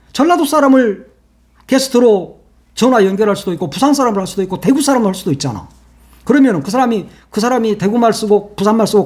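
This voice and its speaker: A man's voice: high-pitched, darkish tone, breathy edge. An older man, a former broadcaster turned online commentator, ranting and scolding in sarcastic rhetorical questions.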